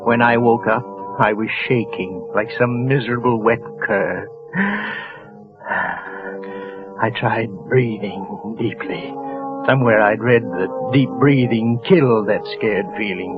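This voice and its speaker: An actor playing a frightened clerk who narrates his own crime in a tense, halting first person. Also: lowish voice, lightly acted. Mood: shaken. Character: anxious middle-aged male clerk narrating his crime. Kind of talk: 1940s radio acting. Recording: dull old radio broadcast with music.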